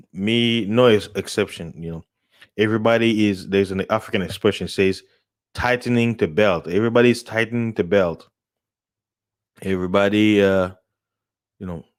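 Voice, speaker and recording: A man hosting his own live show, rambling in casual talk, laughing often and jumping up loud and high when excited. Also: smooth. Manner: rambling, laughs often, many fillers and restarts. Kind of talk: casual live-stream rant.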